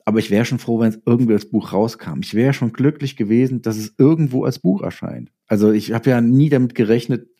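A man's voice: mid-range voice, a little fast, hardly any pauses, dark tone, husky. A man speaking as a guest in a casual interview, thinking aloud with repeated words and self-corrections.

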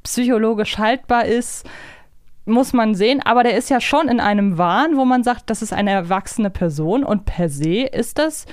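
Clear-voiced woman co-hosting a casual podcast. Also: fairly high pitch, normal speed, a little mellow, no room sound, studio quality. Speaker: podcast co-host. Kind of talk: casual chat about an audio drama series.

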